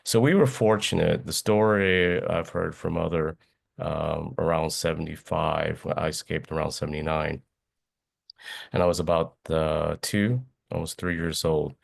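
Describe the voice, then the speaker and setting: A man in his forties from Vietnam, a community leader on a panel, speaking haltingly with many fillers. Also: very deep voice, steady tone, gravelly. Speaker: panelist, community association president. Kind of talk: panel discussion.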